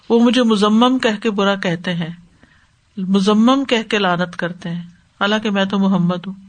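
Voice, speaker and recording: High-voiced man teaching scripture. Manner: calm explaining tone with rhetorical questions; mixes English words into speech. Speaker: Quran teacher. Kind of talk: Quran commentary lesson.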